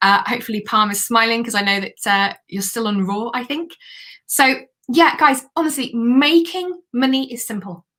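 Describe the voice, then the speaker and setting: Her British accent clear, a woman speaks at a moderate pace with a high pitch, an animated, bright, sharp tone and lively intonation. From Britain. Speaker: online business coach. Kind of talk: live stream training. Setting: live video stream.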